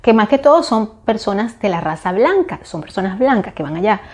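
A middle-aged Venezuelan woman speaks in a relaxed, unscripted monologue, pausing and restarting as she gathers her thoughts. Her pitch sits in an ordinary middle range, and her tone stays conversational and thoughtful. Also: husky. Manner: reflective, searching for words with frequent restarts. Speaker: vlogger. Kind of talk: casual monologue.

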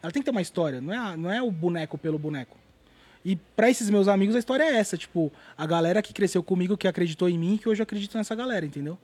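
Husky high-voiced man, rapid slangy São talk. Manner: animated, slangy, swears freely. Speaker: artist guest. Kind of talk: casual storytelling interview.

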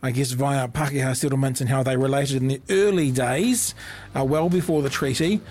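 A man hosting a casual live radio interview, chatty and rambling, slightly husky after an illness. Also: mid-range voice, fairly quick, darkish tone. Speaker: radio host.

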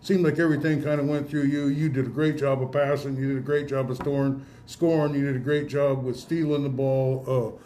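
A man hosting a casual sports awards interview, folksy and halting, often repeating himself as he goes. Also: medium pitch, flat delivery, warm tone, slight background noise. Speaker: radio host interviewing award winners.

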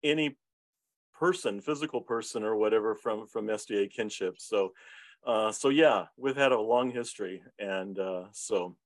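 A man's voice: fairly low pitch, normal speed, no echo. A man hosting an interview, asking questions and giving frequent affirmations. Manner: affirming, with repeated backchannels. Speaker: podcast host and interviewer. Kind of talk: friendly interview chat.

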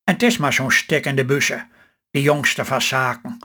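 A woman's voice: extremely low pitch, moderate pace, husky, full character voice. A man reading a storybook voice of a hopeful, chatty rural housewife who chides her husband, in Stellingwerf dialect. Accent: Stellingwerf Low Saxon dialect. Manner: lively, chiding, optimistic.

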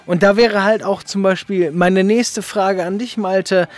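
A man's voice: high voice, fairly even intonation, unhurried. A man hosting a podcast, asking questions in a casual, conversational interview style.

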